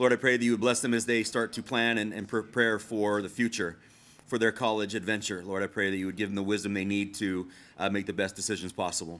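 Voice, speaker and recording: A man's fairly low pitch at a very fast pace, with fairly even intonation. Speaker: student ministry leader. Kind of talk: prayer. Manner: loud.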